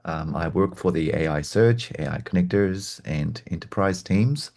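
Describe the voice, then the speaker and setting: Kiwi guy w low voice, chatty and a bit rambly, video call. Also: unhurried, gravelly. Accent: New Zealand. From New Zealand. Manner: relaxed, rambling with many fillers. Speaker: panelist, product designer. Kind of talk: casual panel talk.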